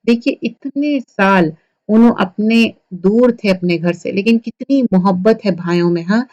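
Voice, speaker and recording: A woman's voice: medium pitch, darkish tone, lo-fi sound. A woman giving a conversational Quran commentary lesson, retelling the story and asking her listeners rhetorical questions. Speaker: Quran teacher for women.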